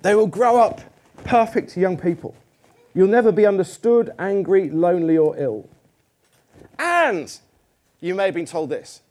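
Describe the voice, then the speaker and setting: A man's voice: high voice, a little mellow. A middle-aged man preaching a sermon in a church, conversational and self-deprecating, putting questions to the congregation.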